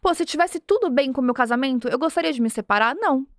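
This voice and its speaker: A high-pitched woman from Brazil in her thirties tells a personal story as a podcast host. She speaks earnestly and with animation, slipping into the voices of the people in her story. The sound is dry and close, with no room echo. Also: fast talker. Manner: earnest, animated, acts out dialogue. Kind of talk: motivational storytelling.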